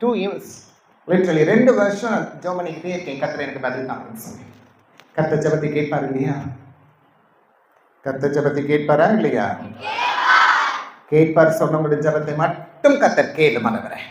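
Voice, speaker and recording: A woman's voice: sits low, normal speed, long pauses, a little mellow, a faint crowd, a little hiss or hum. A trans woman preacher giving an emotional testimony to a congregation, pleading and asking the audience questions. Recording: echoey hall.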